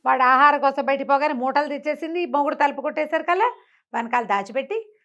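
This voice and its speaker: A woman's voice: sits high, quick pace, a bit bright, highs cut off. A woman storyteller telling a moral tale conversationally, repeating phrases and asking rhetorical questions.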